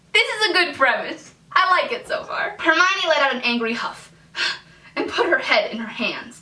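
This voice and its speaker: A woman with an American accent uses a raised, projected voice at a moderate pace, her pitch swinging very widely. Noticeable background noise is present. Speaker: YouTuber reading her old fanfiction. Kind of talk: reading aloud with commentary.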